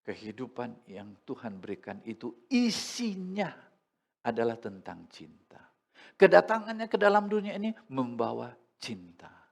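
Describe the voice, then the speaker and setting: Male pastor, gravelly voice, lively pitch, conversational sermon with humor. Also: unhurried. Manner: conversational preaching with humor and asides to the congregation. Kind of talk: Sunday sermon. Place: church service.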